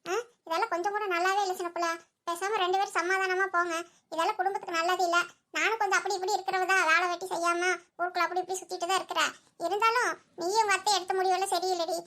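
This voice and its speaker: A very high, bright cartoon voice of a prying village gossip who lectures her friend, played by a performer. She talks quickly. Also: fairly even intonation. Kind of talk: cartoon voice acting.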